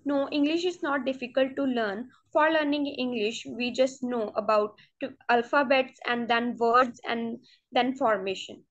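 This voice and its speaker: A young female student whose first language is Punjabi answers a mock speaking exam over a video call, hesitant and full of fillers and restarts. Her voice is a little high and a little slow, and the video call audio is dull and lo-fi.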